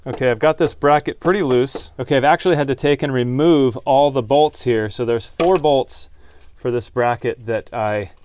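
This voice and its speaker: A man's voice: mid-range voice, moderate pace, a little mellow, a little hiss or hum. A man hosting a DIY car repair video, explaining each step in plain words as he works with his hands. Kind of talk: hands-on tutorial narration, talking while working.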